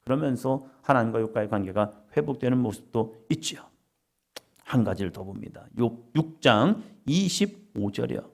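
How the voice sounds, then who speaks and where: Gravelly-voiced man preaching gently. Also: medium pitch, animated, moderate pace. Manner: gentle, conversational preaching with frequent rhetorical asides. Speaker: pastor. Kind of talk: conversational sermon at a daily prayer meeting.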